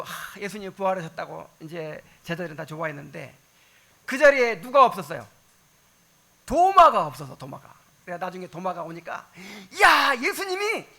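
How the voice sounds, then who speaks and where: A man's voice: sits high, pushed and bright. A man preaching a sermon as pastor, talking conversationally and asking the congregation questions.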